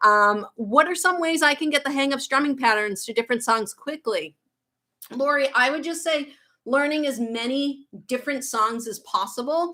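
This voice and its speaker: A woman with an American accent projects a raised, high-pitched voice in a bright, sharp tone. Her delivery is animated, with lively intonation at a moderate pace. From Boston area, US. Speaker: guitar teacher. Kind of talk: live stream Q&A. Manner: projected voice.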